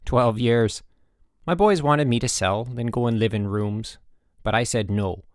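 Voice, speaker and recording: A man's voice: mid-range voice, unhurried, no room sound, clean studio sound, lightly acted. A man voicing a proud, stubborn old country woman who rambles folksily in audiobook dialogue. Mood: resigned, stubborn. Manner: folksy, rambling, emphatic storytelling.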